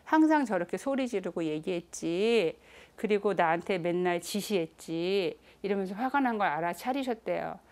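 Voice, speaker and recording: Middle-aged woman teaching a talk on peaceful communication, asks the crowd stuff, acts out the people she quotes with big pitch jumps. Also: lively intonation, normal speed, darkish tone. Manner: asks the audience questions. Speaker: nonviolent communication lecturer. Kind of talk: televised lecture to an audience.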